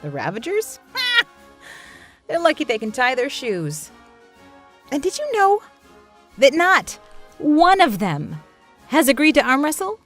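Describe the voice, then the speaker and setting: An actress playing a swaggering wasteland militia lieutenant in a comedy, declamatory and tough with mock-official boasting. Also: female voice, high-pitched, huge pitch swings, slow, pauses often, soft background music, heavily acted. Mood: swaggering, taunting. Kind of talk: comedic audio drama acting.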